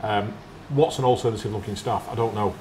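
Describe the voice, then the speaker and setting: A man's voice: on the low side, fairly quick, a little mellow, a little hiss or hum. A man, a restaurant owner answering bluntly and matter-of-factly. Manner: blunt, firm, matter-of-fact. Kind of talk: casual interview. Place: restaurant dining room. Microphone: lapel mic.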